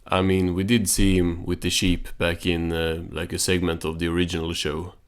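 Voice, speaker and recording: Male recap narrator, low register, casual and understated, dry commentary delivery. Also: flat delivery, moderate pace, clear, resonant tone. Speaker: video reviewer and narrator.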